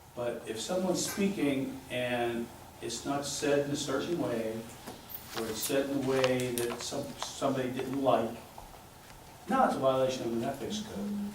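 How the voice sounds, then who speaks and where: A man talks at a moderate pace with a medium pitch and ordinary pitch variation. Noticeable background noise and audible room echo are present. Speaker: council member. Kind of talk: heated debate. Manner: loud, forceful.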